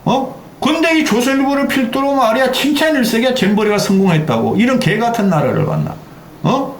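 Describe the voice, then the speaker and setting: Older man ranting angrily, high and lively. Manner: heated, swearing, repeatedly interjecting "eh?". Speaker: political commentary host. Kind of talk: angry political rant. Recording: echoey room with faint background noise.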